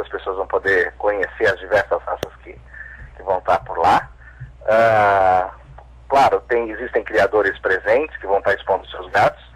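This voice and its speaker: A man's voice: lowish voice, breathy edge, rough recording. A man with a Brazilian Portuguese accent, an event organizer speaking as a radio guest, hesitant with many restarts. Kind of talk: phone-in radio interview.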